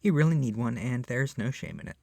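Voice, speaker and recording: A man playing a lovestruck, clingy young kidnapper in an intimate ASMR roleplay, speaking softly and earnestly with gushing, coaxing tenderness. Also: mid-range voice, very animated, fairly quick, no echo. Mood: tender, coaxing. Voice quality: soft, breathy, often dropping to a whisper. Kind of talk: ASMR roleplay, intimate second-person acting. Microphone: close microphone, dry.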